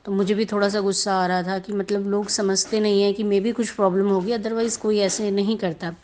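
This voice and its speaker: A woman's voice: mid-range voice, level tone, normal speed, darkish tone. A woman sharing a devotional testimony in a casual, chatty storytelling way, slipping English words into her Hindi and often restarting her sentences.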